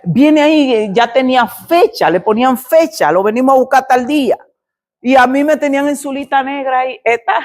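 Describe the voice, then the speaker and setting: A middle-aged woman pastor preaching and telling a personal testimony, acting out the dialogue as she goes. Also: a little high. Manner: dramatic storytelling, acts out quoted dialogue.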